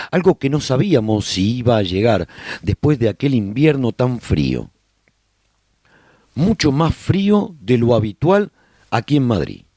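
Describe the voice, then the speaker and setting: A man acting as a survivor of a collapsed world tells his story in a radio drama. His voice is low and husky, with melody that rises and falls freely as he addresses listeners directly. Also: dark tone, no echo, exaggerated voice. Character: male survivor broadcasting his community's story after humanity's collapse.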